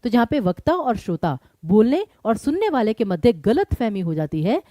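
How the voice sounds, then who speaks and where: A woman teaching an online exam-prep lesson, quizzing her students and explaining each answer briskly. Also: on the high side, mellow, no echo, clean studio sound.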